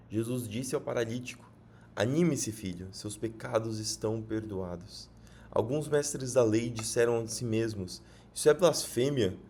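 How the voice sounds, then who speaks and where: A man with a Brazilian Portuguese accent reading Bible passages aloud in a measured way, now and then correcting a word. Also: medium pitch, darkish tone, a little hiss or hum. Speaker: Bible reader.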